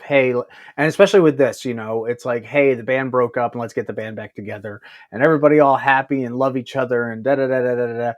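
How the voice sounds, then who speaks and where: A man co-hosting a casual review chat, enthusiastic and loose, rambling a little as he talks. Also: medium pitch. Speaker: podcast co-host.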